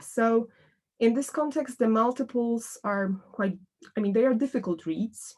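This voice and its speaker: This woman talks at a fairly slow pace with a Polish accent and a fairly high pitch. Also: ordinary pitch variation. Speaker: academic researcher. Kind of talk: lecture.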